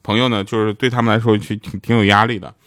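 This radio drama actor talks fast in a fairly low voice with little pitch movement, and there's background noise behind him. He's promoting his show through a chatty, funny monologue, laughing at his own punchlines.

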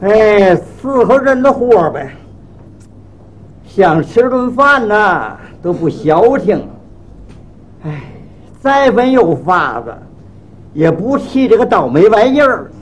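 A man's voice: high-pitched, very animated, takes it slowly, long pauses, heavily acted. A man doing a grumbling, self-pitying street barber. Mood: complaining. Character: grumbling put-upon male street barber.

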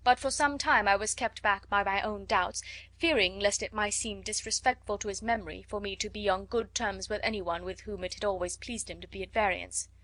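A woman's voice: mid-range voice, fairly even intonation, brisk, a bit bright, no echo, natural voice. A woman voicing a pompous young clergyman who speaks in a formal, long-winded manner in an audiobook. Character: pompous young clergyman, wordy letter writer. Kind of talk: audiobook character voice.

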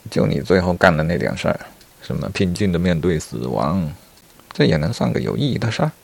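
A man's voice: low voice, expressive, fairly quick, gravelly, slightly rough, exaggerated voice. A man telling a story and voicing a blunt, mocking male wolf who scorns the weak.

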